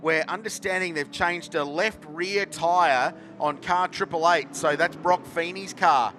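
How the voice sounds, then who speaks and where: A man's voice: fairly high pitch, a little slow. A man giving live race commentary as a motorsport commentator. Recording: loud trackside car and engine noise. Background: race cars and outdoor ambience.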